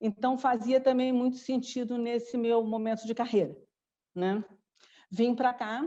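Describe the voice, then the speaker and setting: With a Rio de Janeiro accent, a woman speaks in a high, dark, mellow voice with fairly even intonation and long, frequent pauses. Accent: Rio de Janeiro (carioca). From Brazil, Rio de Janeiro. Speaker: real estate executive. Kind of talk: interview.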